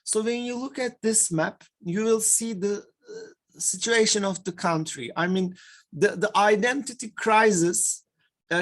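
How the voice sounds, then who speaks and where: A man from Turkey, giving an academic panel presentation over a video call, with frequent fillers and restarts. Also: high-pitched. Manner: hesitant, many fillers and repeated words. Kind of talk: conference presentation.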